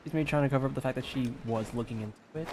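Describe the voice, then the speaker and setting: A man's voice: mid-range voice, rapid-fire, a little mellow, slight background noise. A man giving informal let's-play commentary, thinking aloud casually over game music. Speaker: video game streamer.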